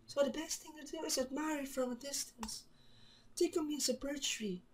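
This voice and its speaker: A man plays a sad young girl from a visual novel. The voice sits high and stays soft. The delivery is gentle, measured and resigned. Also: slight background noise. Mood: melancholy, resigned.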